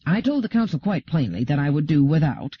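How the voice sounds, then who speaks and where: Man doing a wry, low-voiced space captain. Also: very animated, brisk, breathy edge, dry recording. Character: wry bearded male space captain, calm. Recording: dull lo-fi recording.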